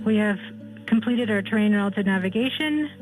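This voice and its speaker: A woman giving live technical commentary from mission control, reporting status precisely and in a measured way. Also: mid-range voice, a little mellow, soft background music, poor audio.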